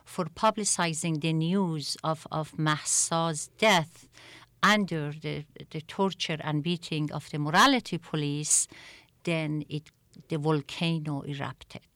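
A middle-aged woman from Iran answers interview questions in a deliberate, halting way, often repeating words as she restarts her sentences. Her voice sits low and her pace is slow. The recording is dry, with no room sound. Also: a bit bright, dry recording. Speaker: guest, attorney and activist.

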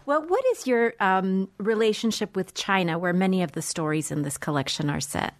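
A woman hosting a public radio book program, reading a literary introduction and asking an author about her work in a measured way. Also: medium pitch. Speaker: radio host.

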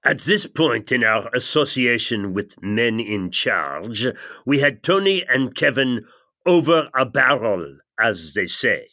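A man's voice: medium pitch, very animated, slow, pushed and bright, heavily acted. A man playing a pompous, disdainful European intellectual who narrates a comic retrospective in scornful, wordy style. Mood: lofty disdain. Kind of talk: scripted mock-retrospective narration.

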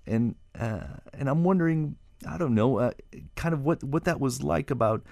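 A man's voice: mid-range voice, moderate pace, gravelly, darkish tone, dry recording, clean studio sound. A man hosting an interview, asking long, thoughtful questions padded with fillers. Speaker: radio interview host. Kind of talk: conversational interview.

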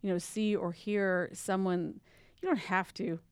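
A woman's voice: medium pitch, fairly even intonation, a little slow, clean tone, no echo. A woman hosting a radio interview, drawing her guests out with encouraging questions. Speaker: radio host.

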